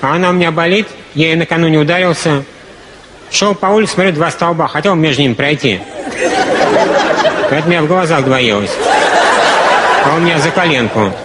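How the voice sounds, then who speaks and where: A man performing a comic monologue on stage, telling it deadpan and slipping into characters' voices. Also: on the high side. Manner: deadpan storytelling with quick shifts into voiced characters. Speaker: stand-up comedian. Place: stage before a live audience. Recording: loud crowd and noise of a live show. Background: laughing audience.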